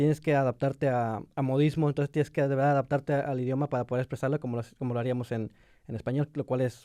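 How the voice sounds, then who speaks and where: At a very fast pace, a man with a medium pitch speaks in a dark, mellow tone with monotone, flat intonation, the sound dry and close with no echo. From Mexico. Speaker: podcast host. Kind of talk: casual chat.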